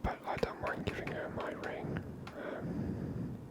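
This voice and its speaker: Whispering woman, ASMR game host. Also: takes it slowly. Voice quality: breathy whisper. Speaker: gaming host.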